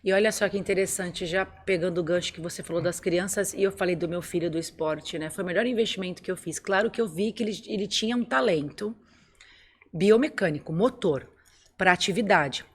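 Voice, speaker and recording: Woman telling a lively story. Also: on the low side, fairly quick, breathy edge. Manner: lively storytelling with quoted dialogue. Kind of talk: casual conversation.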